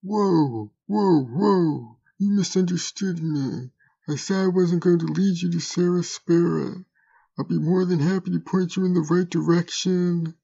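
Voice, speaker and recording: A man's voice: sits high, a little slow, vocal fry, mellow, highs cut off, exaggerated voice. A man voicing a smug, sly troll creature in an audio drama, with a sardonic, wheedling manner. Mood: placating. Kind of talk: audio drama character acting.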